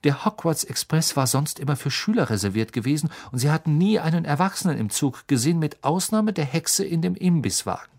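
A man narrating a story as an audiobook, with expressive storytelling. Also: on the high side, brisk, vocal fry, hardly any pauses. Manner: expressive storytelling, varied intonation.

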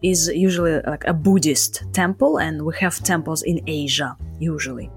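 A woman's voice: deep voice, fairly even intonation, moderate pace, faint music behind. A woman with a Russian accent hosting a conversational English lesson, playful and emphatic, explaining things in short phrases. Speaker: English teacher and podcast host.

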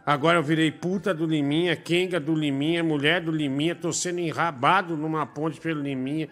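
A man's voice: fairly high pitch, fairly even intonation, fairly quick, fairly bright tone, faint music behind. A man hosting a live stream, joking crudely and reading out viewer donations and messages. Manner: profane, jokey, reads messages aloud.

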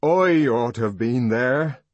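A man voicing an intense, proud young man who declaims slowly with a voice trembling with emotion. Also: fairly low pitch, very animated, darkish tone, breathy edge, no echo, muffled recording, exaggerated voice. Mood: anguished.

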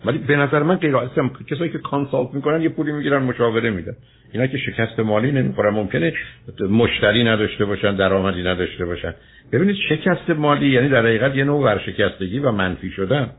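In thin, phone-like radio sound, a man speaks in a husky, medium-pitched voice. He is a counselling host, pressing with questions and cutting in insistently. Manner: interrupting, insistent, probing. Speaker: advice show host addressed as doctor.

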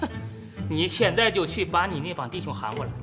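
Brash Tianjin-accented town constable, lively sing-song delivery, reverberant stage with music under it. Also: male voice, high voice, fairly quick. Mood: bossy. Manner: cocky, brash, teasing. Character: swaggering young male town constable. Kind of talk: TV sitcom acting.

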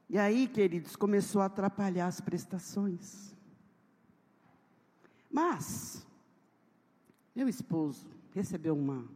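São lady pastor telling her story in a sermon, acts out everyone, big echoey hall. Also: on the low side. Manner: animated storytelling, acting out dialogue. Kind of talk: testimony sermon. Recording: long hall reverb.

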